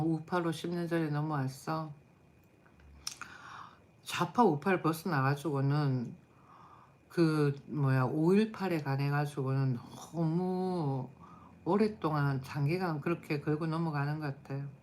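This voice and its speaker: A middle-aged woman hosts a casual live stream and speaks in a notably low voice. She talks bluntly and chattily, answering viewers' comments as they come in. She sounds tired. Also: measured pace, darkish tone, a little hiss or hum.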